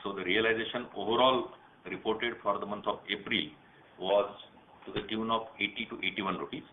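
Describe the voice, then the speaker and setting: A man with an Indian accent answering questions formally on an earnings call, in the measured way of a senior company manager. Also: lowish voice, steady tone. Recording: tinny phone line, some noise.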